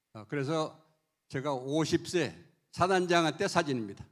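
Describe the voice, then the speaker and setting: This man has a fairly high voice and lively intonation. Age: 80s+. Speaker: church elder and retired military general giving testimony. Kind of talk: testimony with slide talk. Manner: hesitant, many filler sounds.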